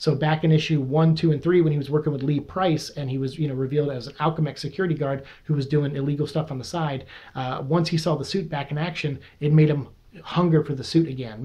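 A man's somewhat breathy voice at a very fast pace, with fairly even intonation over a quiet background. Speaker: comic book reviewer. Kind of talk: casual review commentary. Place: home room. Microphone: webcam.

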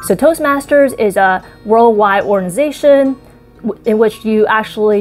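With faint music in the background, a woman speaks at a fairly high pitch with ordinary pitch variation. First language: Chinese. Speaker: career coach. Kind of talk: casual talk to camera.

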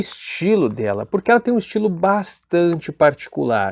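A high-pitched man, dry sound with no echo, over a quiet background. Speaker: book reviewer. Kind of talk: casual book review vlog. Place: home room. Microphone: webcam.

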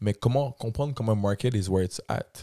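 A man talks in a dark, mellow tone at medium pitch, with ordinary pitch variation. The background is quiet. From Montreal, Côte-des-Neiges; Montreal. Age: 20s. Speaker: rapper; podcast guest. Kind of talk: casual chat. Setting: studio. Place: studio. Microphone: studio mic.

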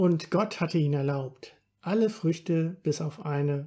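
Very slowly, a man with a fairly high pitch and a dark, mellow tone speaks with ordinary pitch variation on a very clean recording with a silent background. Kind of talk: bedtime story telling for children, calm fairy-tale narration with a moral. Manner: earnest, kindly preacher-like tone addressing children directly.

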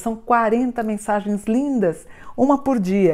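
With a Brazilian accent, a woman speaks in an animated, upbeat tone with ordinary pitch variation against a quiet background. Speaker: spiritual author and course teacher selling her books. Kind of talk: sales pitch, street-seller style product demo. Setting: video to camera, showing books. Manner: animated, upbeat and enthusiastic, rattling off prices and bargains; warm, chatty, direct appeals to viewer. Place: home room. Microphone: lapel.

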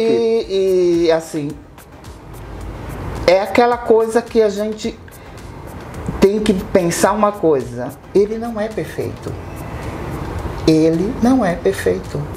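A woman speaks very slowly, with lively intonation and long, frequent pauses. Noticeable background noise runs underneath. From Pernambuco, Brazil. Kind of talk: interview answer. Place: studio.

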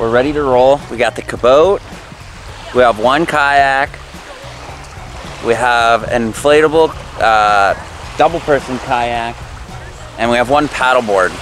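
Music plays in the background as a man speaks at a fairly slow pace with long, frequent pauses and ordinary pitch variation, the sound dry with no echo. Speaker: travel vlogger. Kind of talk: casual vlog chat. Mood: excited, upbeat. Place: beach. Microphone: phone near.

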